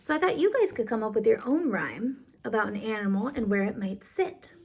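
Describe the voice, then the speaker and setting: A woman's voice: on the high side, big pitch swings, a little fast, breathy edge. A woman kindergarten teacher explaining a lesson casually, step by step, in an informal, encouraging way.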